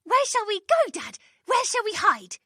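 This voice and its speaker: The little monkey children of a storybook, squealing at a very high pitch with wild leaps in the voice. They drag their words out slowly and brightly, recorded close and dry. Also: female voice, big pitch swings, dry recording, heavily acted. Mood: excited. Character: excited little young monkeys. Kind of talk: audiobook character voice.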